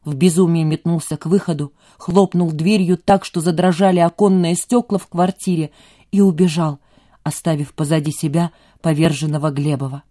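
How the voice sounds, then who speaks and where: A woman narrating a literary audiobook in a measured, calm storytelling voice. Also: deep voice.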